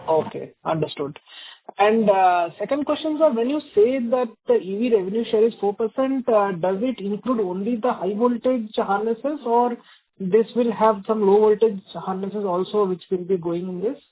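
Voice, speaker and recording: A male analyst with a high-pitched voice asks detailed questions. He is heard through a narrow, phone-like line during an earnings call. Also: normal speed. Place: telephone conference call.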